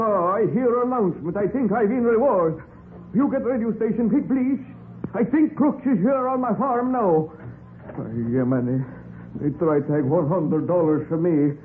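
Man playing high-pitched old immigrant farmer. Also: normal speed, lightly acted. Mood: indignant, excited. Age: 60s. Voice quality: broken English with simple grammar. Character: 65-year-old immigrant farmer, trusting and excitable. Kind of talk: 1940s radio acting. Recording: noisy, narrow-band 1940s radio recording.

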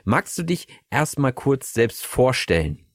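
A man's voice: medium pitch, big pitch swings, a little slow, no room sound. A man hosting a podcast who asks his guest questions in a friendly way. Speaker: podcast host. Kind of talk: interview questions.

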